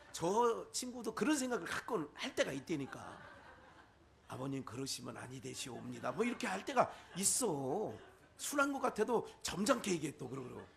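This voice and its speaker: A man's voice: high voice, fairly bright tone, a little hiss or hum. A male pastor with a Chungcheong Korean accent, preaching a sermon full of rhetorical questions and quoted asides.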